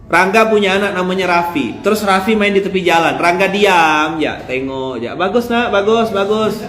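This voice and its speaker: Animated preacher in an echoey hall. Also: male voice, high-pitched, normal speed. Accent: Pontianak Malay. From Indonesia. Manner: joking, animated, acts out voices of husbands and fathers. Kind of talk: lively sermon.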